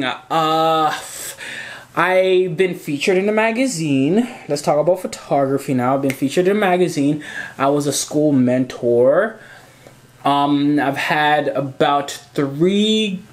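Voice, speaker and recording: A man in his twenties from Zimbabwe, chatting casually and rambling as he answers questions in a home vlog. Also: a little high. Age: 20s. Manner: chatty, rambling, gestures with hands, swears casually. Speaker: photographer and YouTuber. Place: small indoor room at home.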